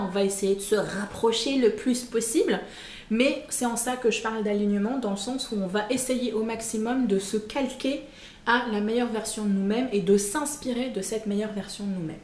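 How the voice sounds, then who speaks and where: A woman's voice: a little high, fairly quick, a little mellow. A woman talking casually to her viewers about personal development, chatty and full of fillers and self-mocking asides. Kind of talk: casual spoken explainer to camera. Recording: echoey room with faint ambient noise.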